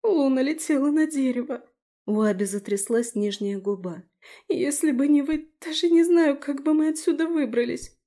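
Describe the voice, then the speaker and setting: A woman's voice: moderate pace, dark tone. A woman playing a sobbing young girl. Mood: tearful. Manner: sobbing, high and plaintive. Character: girl Abi, young fairy-tale student, frightened and tearful.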